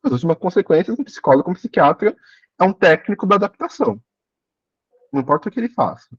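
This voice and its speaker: A man with a husky, lively voice talks through ideas in a casual study group, circling back to rephrase as he goes. The sound is dry and muffled, like a lo-fi call. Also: high-pitched, quick pace, no echo. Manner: reflective, rephrasing often. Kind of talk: casual discussion.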